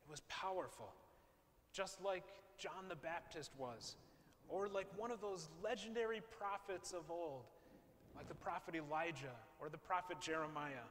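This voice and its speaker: A male pastor, preaching from a pulpit in a large church, measured and posing rhetorical questions. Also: sits high. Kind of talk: sermon. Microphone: far camera, pulpit mic. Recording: long church reverb, faint hiss.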